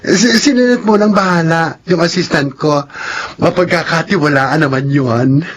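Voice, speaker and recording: A cheerful gay Filipino salon owner in a radio drama, with a fairly high voice. He is chatty, playful and expressive, a doting friend. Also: normal speed, slightly rough. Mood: eager, wistful.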